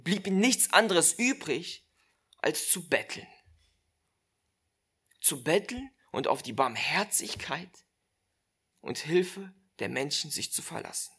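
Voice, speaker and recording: A preacher giving a sermon, slow and emphatic, repeating key phrases and speaking directly to the listeners. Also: medium pitch, a bit bright, slightly rough.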